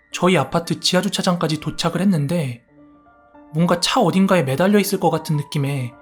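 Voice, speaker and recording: A man narrating a first-person horror story in a soft, steady storytelling tone. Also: a little high. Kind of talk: calm scripted horror narration.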